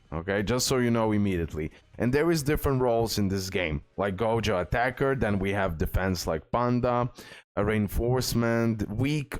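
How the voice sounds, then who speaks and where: A man with a fairly low voice hosts a casual game guide over background music. He explains things off the cuff, step by step, and often checks in to make sure the listener follows. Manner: explanatory, repeatedly checking in with "okay?".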